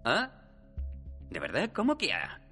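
An actor playing a brash, sarcastic inventor, in a film dub. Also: male voice, on the high side, huge pitch swings, a little slow, bright, forceful tone, heavily acted. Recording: film soundtrack with faint music.

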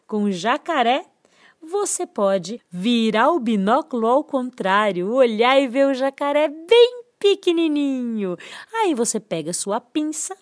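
A Brazilian woman telling stories and riddles to children, playful and expressive, speaking straight to her listeners with questions and dramatic pauses. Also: a little high, no room sound. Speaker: children's storyteller and host. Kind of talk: storytelling to children, with riddles and tales. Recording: loud background music. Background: music.

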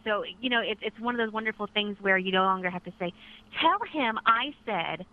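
A woman's voice: medium pitch, steady tone, fast. Woman interpreter on a dull phone line. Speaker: sign language relay interpreter voicing a caller. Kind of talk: conversational live interpreting. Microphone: telephone. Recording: dull radio-like telephone line.

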